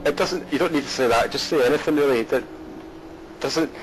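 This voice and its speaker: A man's voice: mid-range voice, fairly quick, slight background noise, rough recording. A Scottish man commentating an online race and chatting with a guest, rambling with fillers and restarts. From Scotland. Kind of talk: live race commentary and interview.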